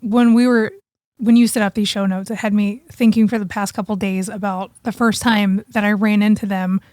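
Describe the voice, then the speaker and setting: Female podcast co-host, medium pitch, informal storytelling, close and dry recording. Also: little pitch movement, moderate pace, darkish tone, dry recording. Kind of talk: casual chat, personal storytelling.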